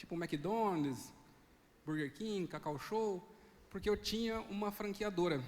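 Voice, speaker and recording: A man with a Mato Grosso accent speaks at a high pitch with ordinary pitch variation and long, frequent pauses. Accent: caipira accent from Mato Grosso. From Cuiabá, Mato Grosso, Brazil. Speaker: entrepreneur and speaker. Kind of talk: talk at a business fair in a church. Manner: fast.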